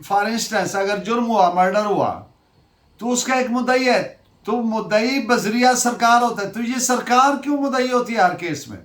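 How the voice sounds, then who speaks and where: A woman's voice: a little high, moderate pace. A woman with a Pakistani accent giving a didactic law lecture, asking and answering her own questions and switching into English terms. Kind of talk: law lecture, dictating case citations. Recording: echoey room sound.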